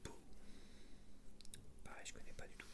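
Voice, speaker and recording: A man whispering breathy, casual ASMR commentary in short murmured fragments, as in an unboxing video. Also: normal speed.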